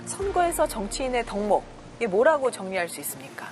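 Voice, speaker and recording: A woman's voice: a little high, very animated, fast talker, a little hiss or hum. A woman hosting a talk show, moving things along with encouraging interjections. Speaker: main talk show host. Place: broadcast studio talk show. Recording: music behind the voice.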